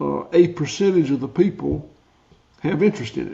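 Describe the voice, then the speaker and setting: A man with a Southern US accent. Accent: Southern US (Georgia). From US South. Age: 60s. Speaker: farmer. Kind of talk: podcast interview.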